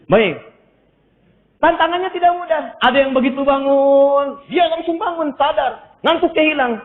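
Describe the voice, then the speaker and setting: A lively male preacher delivers a humorous sermon with a high voice. He sounds tinny, as if over a phone line, and his words echo through a big hall. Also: moderate pace. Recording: tinny echoey hall recording.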